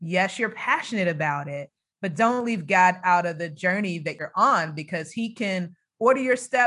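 Against a quiet background, a woman speaks at a medium pitch in a bright, sharp tone with lively intonation. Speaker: podcast host and writing coach. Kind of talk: podcast interview.

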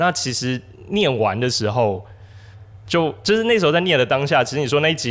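An ordinary speaking voice with lively intonation at a fairly quick pace. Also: man. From Taiwan. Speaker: former legal researcher. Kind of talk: casual chat.

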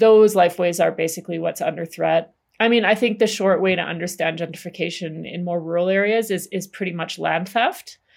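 A woman with a Canadian accent and a normal speaking voice talks at a fairly quick pace with hardly any pauses. Her pitch is fairly low and her intonation fairly even, in a very clean recording with a silent background. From Canada. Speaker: journalist and author. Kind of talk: interview.

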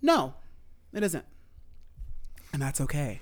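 A man is speaking. He has a Canadian accent. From Ontario, near Toronto. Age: 30s. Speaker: podcast guest. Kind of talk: casual chat.

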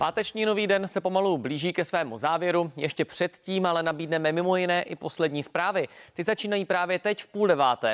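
A man's high voice with ordinary pitch variation and hardly any pauses, in a very clean recording with a silent background. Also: fairly quick pace, dry, close sound with no echo. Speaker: news reader. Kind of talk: news reading.

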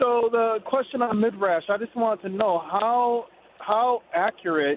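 An American accent with lively intonation at a moderate pace. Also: man. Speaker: caller. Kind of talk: call-in question. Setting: phone call. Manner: friendly, casual.

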